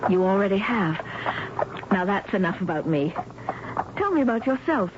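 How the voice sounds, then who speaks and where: A woman's voice: mid-range voice, expressive, moderate pace, close to an everyday voice. Actress as a determined young woman, muffled recording. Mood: composed, polite. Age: young adult. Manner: composed, firm, self-reliant. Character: determined, uneasy young woman seeking her father. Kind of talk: 1970s radio drama acting with first-person narration. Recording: muffled, very noisy old radio broadcast.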